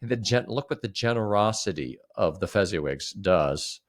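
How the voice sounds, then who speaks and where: Guy with lowish voice talking about literature, emphatic, keeps repeating words as he thinks. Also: lively intonation, moderate pace. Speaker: co-host. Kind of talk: literary reflection in conversation.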